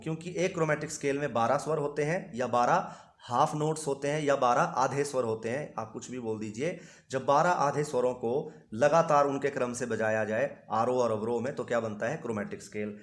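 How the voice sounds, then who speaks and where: A man's voice: mid-range voice, brisk. A man teaching music theory as a patient teacher who poses questions to his students and answers them himself, playing notes on an instrument between phrases. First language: Hindi. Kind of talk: explanatory music lesson.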